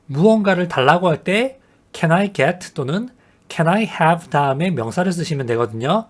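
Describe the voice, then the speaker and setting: An English teacher narrating a travel English lesson, patiently explaining and reading each example sentence slowly and deliberately. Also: medium pitch, expressive. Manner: patient, repetitive explaining with questions to the viewer.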